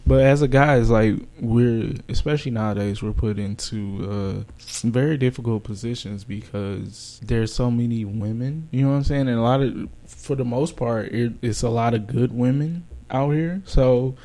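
A man's voice: medium pitch, moderate pace, mellow. A young man co-hosting a podcast in casual chat, laid-back, teasing and profane. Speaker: podcast co-host.

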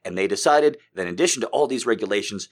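A man rants through a comedy bit, his pitch swinging widely as he builds and drops. He swears freely and keeps a sarcastic, animated edge. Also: fast talker. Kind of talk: comedic rant.

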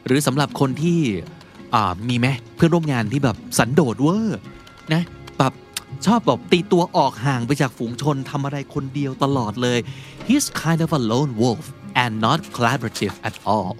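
A young man hosting a casual podcast lesson, chatty and patient, reading out English example sentences slowly. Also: mid-range voice, lively intonation, soft background music. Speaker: podcast host teaching English vocabulary.

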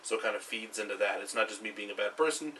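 A man chatting on a podcast in a quick, hesitant way, heard through a low-quality backup microphone. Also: bright, forceful tone. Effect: low-quality backup mic recording. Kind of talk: casual podcast chat. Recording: distant, noisy backup mic.

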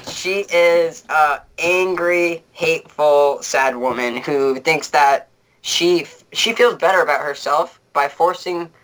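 A man's voice: on the high side, takes it slowly, a bit bright. A young man speaking as a guest in a casual conversation, blunt and joking, with a fairly light voice.

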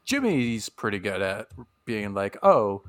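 A man's voice: fairly low pitch, normal speed, fairly bright tone. A man chatting casually on a podcast as the game master, rambling with lots of fillers. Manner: rambling, filler-heavy, laughs often.

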